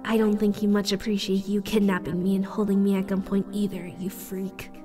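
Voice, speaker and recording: A woman's voice: medium pitch, completely flat delivery, fairly quick, dark tone, soft background music, lightly acted. A woman voicing a defiant young boy held captive in an audio drama, sullen in manner. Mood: angry defiance.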